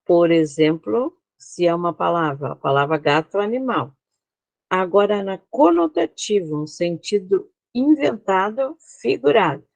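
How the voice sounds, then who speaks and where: Brazilian woman, teacher, unhurried delivery, dry close sound. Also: fairly low pitch, expressive, vocal fry, no room sound. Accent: Brazilian Portuguese. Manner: slow and explanatory, often pointing out slide details, checks in with students. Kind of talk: online class lecture.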